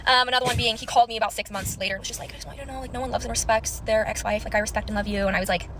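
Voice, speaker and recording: A woman's voice: medium pitch, fairly even intonation, rapid-fire, noisy background. A young woman with a Utah accent telling a personal story casually and chattily, with lots of filler likes. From Utah, USA. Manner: chatty, many likes and self-quotes.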